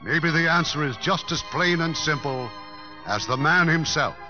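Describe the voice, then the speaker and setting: A man hosting a radio theater in a formal, grand and measured scripted style from the 1950s. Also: on the high side, expressive, music in the background. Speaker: radio theater host and announcer. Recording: dull old radio broadcast recording.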